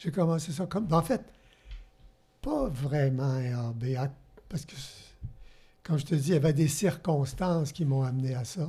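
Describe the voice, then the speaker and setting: Somewhat breathy, dark, mellow tone from a man with a fairly high pitch, moderate pace and long, frequent pauses, on a very clean recording with a silent background. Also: ordinary pitch variation. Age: 80s+. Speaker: engineer and philosopher. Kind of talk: interview. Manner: halting.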